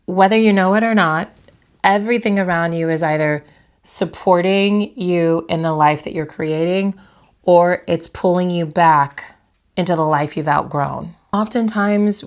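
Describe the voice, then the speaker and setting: A young adult woman hosting a vlog from her bedroom, speaking slightly nasally because of a head cold, in a calm, reflective coaching tone that asks the viewer direct questions. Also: fairly low pitch, a little slow, clean tone. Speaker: vlog host and interior designer. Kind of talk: motivational talk to camera.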